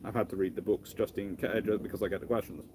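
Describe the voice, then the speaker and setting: A British man with a fairly deep voice talks casually as the host of a live question session. He wanders through his answers, often breaking off and starting a phrase again. There is audible background noise on the recording. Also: steady tone, fast. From United Kingdom. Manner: rambling, discursive, often breaking off to restart phrases. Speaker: livestream host, history lecturer.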